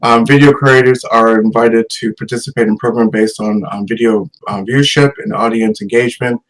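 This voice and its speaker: A middle-aged man from Massachusetts, an educator presenting a talk with slides, hesitant and filling pauses with many ums. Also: medium pitch, fairly even intonation, poor audio.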